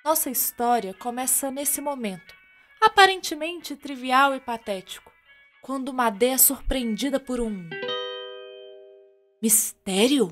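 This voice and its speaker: A woman with a Brazilian accent narrating a radio serial as theatrical storytelling, with deliberate dramatic pauses. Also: sits high, fairly bright tone, faint music behind.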